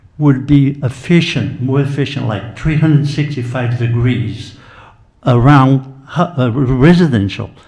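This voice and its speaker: Over noticeable background noise, a man speaks at a fairly slow pace with medium pitch and ordinary pitch variation. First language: not English. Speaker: local resident speaking at public meeting. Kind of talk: public comment at town meeting. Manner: halting.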